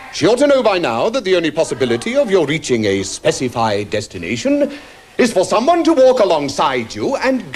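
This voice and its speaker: An actor playing a pompous, sarcastic, theatrically weary form tutor in a British television drama, speaking in elaborately wordy sentences. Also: male voice, high voice. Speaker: actor in a school drama series.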